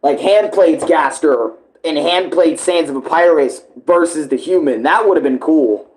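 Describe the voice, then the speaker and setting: A man's voice: a little high, measured pace, darkish tone, poor audio. A man giving casual live reaction commentary, full of slang and swearing. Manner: slangy, profanity-laden. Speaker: reaction video host.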